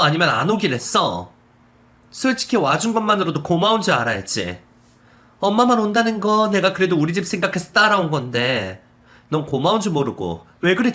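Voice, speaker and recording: A man's voice: high voice, a bit bright, voice pushed up. A man voicing a rude, entitled young woman who whines and quarrels shrilly in a storytelling video.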